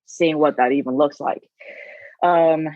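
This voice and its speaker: A woman's voice: sits low, measured pace, dry recording. Woman from south korea, chatty podcast guest, kinda dull dry sound. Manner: chatty, laughs often, many fillers. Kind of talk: casual podcast storytelling.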